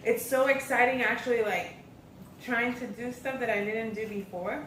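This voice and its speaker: A woman's voice: on the high side, moderate pace, a bit bright. An American woman hosting a casual vlog, talking informally and directly to viewers. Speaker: vlog host. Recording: echoey room, distant mic, faint noise.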